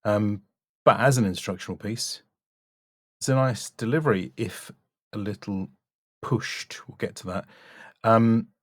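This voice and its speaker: A man's voice: on the low side, unhurried, pauses often, dry recording, studio quality. A man giving a spoken critique as a voice-over coach, blunt and instructive, with short emphatic remarks. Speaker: voice-over coach reviewing demo reels.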